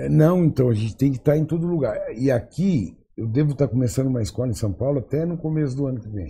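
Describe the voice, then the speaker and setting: With lively intonation and hardly any pauses, a man talks at a very fast pace in a dark, mellow, somewhat breathy tone. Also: medium pitch for a man. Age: 60s. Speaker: dentist. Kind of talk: podcast interview. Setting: studio.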